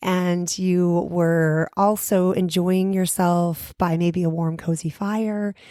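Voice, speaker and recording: A woman's very slow speech. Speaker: teacher and education podcast host. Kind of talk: casual podcast monologue.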